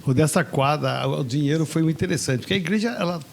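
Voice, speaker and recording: A man's voice: a little high, quick pace, gravelly, slight background noise. An older man, a pastor from Brazil, telling a long story in casual chat and acting out the voices of the people in it. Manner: animated anecdote teller, acts out quoted voices.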